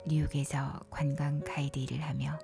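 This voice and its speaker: A woman whispers a bedtime story softly and breathily, leaning into a gentle, unhurried narration with short pauses between phrases. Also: sits low, little pitch movement, vocal fry. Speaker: narrator retelling a film story for sleep. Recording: soft music behind the whispering. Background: music.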